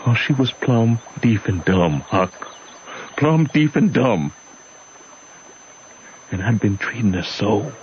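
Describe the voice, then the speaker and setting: An actor playing a gentle, sorrowful runaway father in an old radio drama, speaking a folksy Southern US rural dialect. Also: fairly low pitch, expressive, slow pace, long pauses. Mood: anguished. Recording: muffled, faintly noisy old radio recording.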